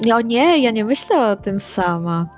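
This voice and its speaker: A woman's voice: on the high side, sing-song, a little slow, darkish tone. A woman playing a tabletop role-playing game, casually speaking in character and describing her actions. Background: music.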